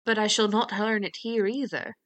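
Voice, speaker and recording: A woman's voice: medium pitch, level tone, normal speed, fairly bright tone, lightly acted. A woman voicing a simple, stubborn, fearless young man in a fairy tale, speaking in a naive and emphatic way. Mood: earnest.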